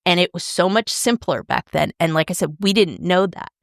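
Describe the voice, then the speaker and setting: A woman in her fifties, co-hosting a podcast, telling stories in an animated way and acting out quotes. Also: on the low side, moderate pace, creaky, no room sound, clean studio sound. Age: 50s. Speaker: podcast co-host. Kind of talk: casual chat, storytelling.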